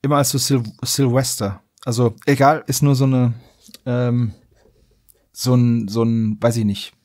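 A man's voice: medium pitch, little pitch movement, unhurried, a little mellow. A man hosting a podcast, recapping a story in a casual, wry, joking way. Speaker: podcast host.

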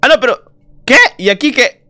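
A man's voice: very high voice, normal speed, bright, forceful tone, no room sound, studio quality. A man with a sore throat giving joking, chatty commentary while playing a horror game and talking to his viewers. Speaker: gaming video host. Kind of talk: playthrough commentary.

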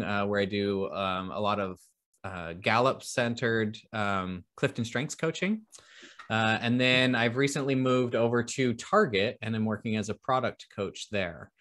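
A man's voice: mid-range voice, fairly bright tone. A man who works as an agile product coach, talking as a guest on a video call in an easygoing way, with lots of ums and a dry bit of humor. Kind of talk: casual video-call conversation. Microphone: webcam on a video call.

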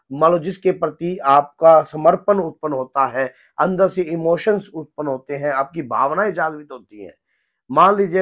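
Hoarse man giving a devotional talk. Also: a little high, a bit bright. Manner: earnest, gesturing, repeats himself. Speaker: spiritual guru. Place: home room with a shrine, indoors.

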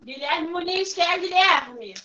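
A patient woman teaches over a video call, calling on pupils by name and asking her questions again until they answer. Her voice sits high and bright. The call audio is dull and lo-fi. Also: a little slow, a little hiss or hum. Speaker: primary school teacher. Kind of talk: online class lesson.

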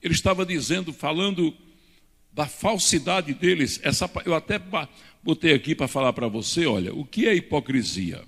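An older male pastor delivers a teaching sermon from a pulpit, pushing his points with emphatic rises. His voice sits a touch high. It rings out with the long reverb of a church hall, picked up on a handheld mic. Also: expressive, moderate pace, gravelly, a bit bright, slightly rough. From Brazil. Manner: preaching with emphatic rises and hand gestures. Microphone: handheld microphone.

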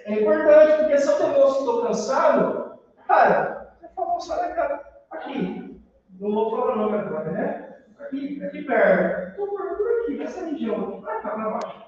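High-pitched brazilian guy teaching a class, acts out little scenes, far off in a big echoey room. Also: moderate pace. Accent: Brazilian Portuguese. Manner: animated storytelling, acts out customers and clerks. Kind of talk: classroom lecture on customer service. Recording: echoey room, far from the mic, dull sound.

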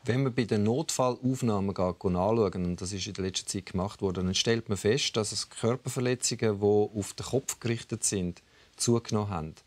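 A man, an expert explaining a trend deliberately in a documentary interview. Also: lowish voice. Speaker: expert on violence.

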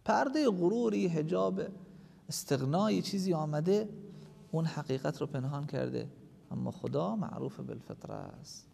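Male cleric, gravelly, slightly high voice; tells stories softly, then rises to forceful appeals. Long reverb. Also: lively intonation. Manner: builds from a low, quiet telling to loud, emphatic exhortation. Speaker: cleric preaching. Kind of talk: storytelling sermon. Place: large religious hall.

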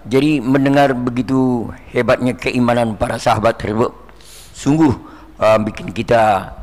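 A man from the audience asking a question at a religious talk, hesitant and halting. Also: medium pitch. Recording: hall reverb.

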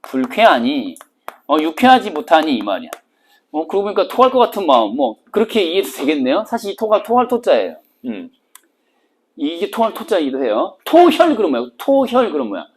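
A man's voice: fairly high pitch, huge pitch swings, a little fast, breathy edge. A middle-aged man teaching literature for an exam, joking and firing rhetorical questions at his students. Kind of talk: exam-prep lecture.

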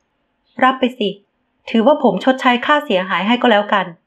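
Arrogant teasing young man read by a woman, slow and scornful; dull audio. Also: on the high side, lively intonation, natural voice.

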